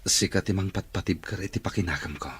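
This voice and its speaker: A man with a Filipino Ilocano accent and a husky voice, acting a proud boss in therapy in an audio drama. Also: sits low, quick pace, close to an everyday voice. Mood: resolved. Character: proud male boss relearning to walk in therapy.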